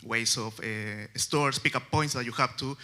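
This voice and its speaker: Chilean man presenting at a developer conference, very bright tone, halting English. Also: mid-range voice. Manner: halting, many fillers and restarts, non-native phrasing. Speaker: conference speaker. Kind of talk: technical conference talk. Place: conference stage.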